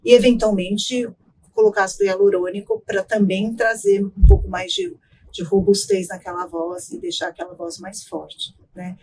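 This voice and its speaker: A middle-aged woman speaking as a doctor in an interview, measured and explanatory, with a mid-range voice. She often checks in with short tag questions. A faint hiss of background noise sits under her voice. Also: mid-range voice, mellow, rough recording. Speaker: ENT doctor, guest expert.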